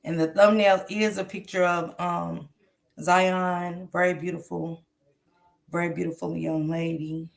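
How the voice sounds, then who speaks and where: Woman host, slightly low voice, stuffy nose, chatty and loose, talks straight to her viewers. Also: flat delivery, unhurried, gravelly. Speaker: true crime commentary host. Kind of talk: casual livestream commentary.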